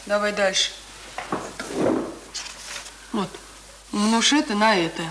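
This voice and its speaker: A woman's voice: medium pitch, slow pace, lightly acted. An actress playing a teasing, bossy village teenage girl who tutors, in a radio play. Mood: bossy, instructing. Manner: instructing, mocking. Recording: noisy old radio play recording.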